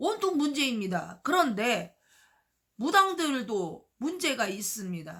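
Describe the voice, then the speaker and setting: The woman's high voice moves at a very slow pace. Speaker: shaman. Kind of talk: casual vlog talk.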